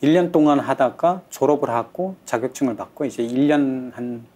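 A man in his forties from North Korea, a guest on a studio talk show, telling his story in an earnest, measured way with frequent pauses, his accent softened toward Seoul speech. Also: medium pitch. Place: bright TV studio set. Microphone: lapel mic.

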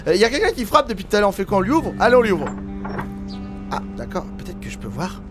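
A man giving chatty, excitable let's-play commentary and laughing often over game music. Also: sits high, fast. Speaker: gaming youtuber. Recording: game music playing behind.

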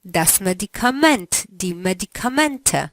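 Female teacher voice, unhurried and precise, dry studio sound. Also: mid-range voice, expressive, fairly bright tone, no echo. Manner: slow, carefully articulated prompting. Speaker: language teacher. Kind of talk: language lesson drills.

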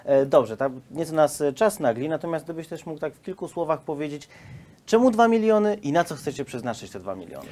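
A man's voice: on the high side, very animated, fairly quick, darkish tone, a little hiss or hum. A man in his thirties, a business TV interviewer, asks questions and sums up his guest's answers. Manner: clarifying, summarizing questions. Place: film studio hall.

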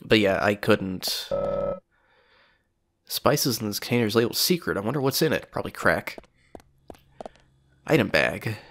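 Casual gamer guy, stuffy and sniffly, rambling chatter with a lowish voice. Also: expressive, normal speed, long pauses, fairly bright tone, a little hiss or hum. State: congested with a cold, sniffling. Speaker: gameplay commentator. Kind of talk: casual let's play commentary.

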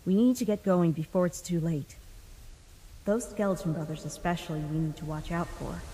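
A woman playing a gentle, uneasy young human adventurer in a comic dub, soft, hesitant and sincere. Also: on the low side, fairly even intonation, moderate pace, in a large hall, natural voice, low-quality recording. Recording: music behind the voice.

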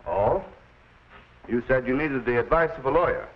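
An actor playing a calm, kindly middle-aged lawyer in a 1940s film. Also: male voice, medium pitch, moderate pace, lightly acted. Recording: dull old film soundtrack.

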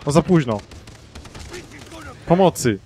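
A young man runs co-op gameplay commentary with excitable banter. His voice sits a little high, and he swears, then apologizes for it. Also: slow. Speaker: let's play host.

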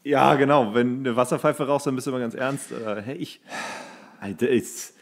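A man's voice: medium pitch, steady tone, normal speed. A man co-hosting a podcast, chatting casually and comically in a loose, rambling way. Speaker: podcast co-host. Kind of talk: casual comedic banter.

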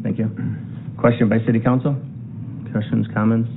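A man's voice: on the low side, little pitch movement, gravelly, a little hiss or hum. Man chairing a council meeting, tinny sound. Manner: brisk, procedural, reads agenda items aloud. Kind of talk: formal meeting procedure. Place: large city council chamber, indoors.

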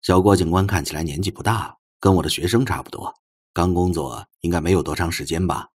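A gentle male professor, played by a male narrator, speaks in a very deep, husky voice. He is courteous and tactful, softly putting his questions in an audiobook story. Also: fairly quick. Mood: casually probing. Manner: soft, courteous, probing questions.

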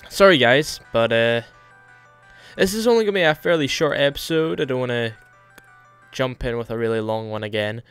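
A man's voice: mid-range voice, expressive, moderate pace, fairly bright tone, clean tone, faint music behind. A young man casually commentating a strategy game, rambling and correcting himself, his nose a little blocked. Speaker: let's play host.

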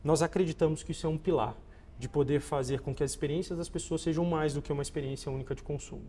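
A man's voice: fairly high pitch, fairly even intonation, quick pace, dark tone. A Brazilian man in his forties giving polished, conversational answers as an interview guest. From Goiás, Brazil. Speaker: interview guest, shopping mall executive. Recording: reverberant space with faint background noise.

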